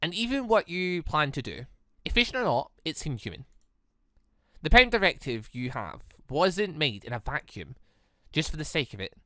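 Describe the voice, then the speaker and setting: A let's player acting out an earnest young challenger in a visual novel game. The delivery is insistent and questioning, with lively pitch and a bright tone. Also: normal speed, no echo, clean studio sound. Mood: indignant.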